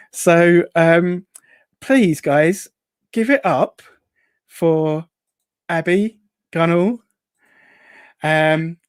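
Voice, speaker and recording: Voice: mid-range voice, no room sound. A host chatting casually on a live show, rambling and hesitant, reading out comments in an upbeat way. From Essex, England.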